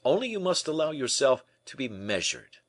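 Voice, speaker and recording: A man voicing a shrewd, calm middle-aged friend in an audiobook, speaking in a wry, reassuring, measured way. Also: medium pitch, voice pushed up. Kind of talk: audiobook character voice.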